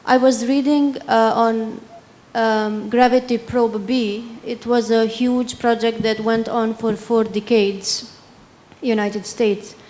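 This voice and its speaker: A woman's voice: on the high side, little pitch movement, takes it slowly, a little mellow. A woman moderating a public forum, talking casually with many fillers.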